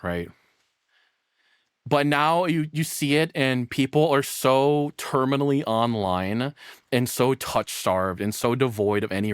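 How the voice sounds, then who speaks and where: A man's voice: on the low side, clear, resonant tone, dry recording, clean studio sound. A man giving casual, off-the-cuff reaction commentary, rambling and blunt, with plenty of swearing. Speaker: streamer reacting to a video.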